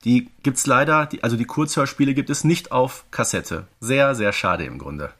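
A man's voice: mid-range voice, animated, moderate pace, fairly bright tone. A man co-hosting a casual fan podcast, explaining things conversationally and often checking for agreement. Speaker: podcast co-host.

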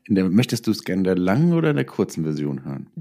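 A man as an interview guest, casually telling personal stories with hesitant pauses and a self-deprecating touch. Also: deep voice, very animated, dark tone. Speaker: interview guest, writer and director.

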